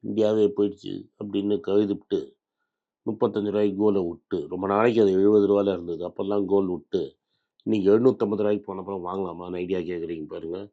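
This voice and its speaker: A man's voice: low voice, mellow. A man from Tamil Nadu giving a blunt, scolding motivational talk on investing, with English words mixed into his speech. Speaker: finance commentator. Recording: dull lo-fi sound.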